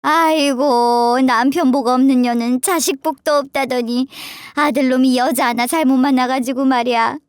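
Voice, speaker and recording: A woman's voice: high-pitched, expressive, moderate pace, no room sound, studio quality. A woman voicing a scornful, nagging older mother-in-law who scolds sarcastically. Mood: wailing.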